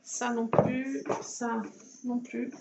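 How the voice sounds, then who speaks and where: At her home craft table at night, a scrapbooking video host chats casually to camera as she works on a project, talking to herself and fussing over her cat. Her voice is on the high side and gravelly, with little pitch movement, and she speaks extremely slowly. The recording is very noisy.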